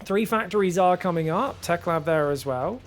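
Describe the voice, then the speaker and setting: A young man giving casual live esports commentary in an animated, informal way, talking straight to viewers. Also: sits high, normal speed, faint music behind.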